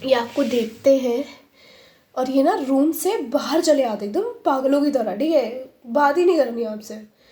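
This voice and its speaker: A woman with a high but mellow voice gives a chatty tarot reading to camera. She keeps checking in with the listener and acts out both sides of an imagined couple's conversation. The recording has a noticeable echo from the room. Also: lively intonation, unhurried. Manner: acts out imagined dialogue, switching voices for each side. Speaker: tarot reader. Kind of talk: casual intuitive reading to camera.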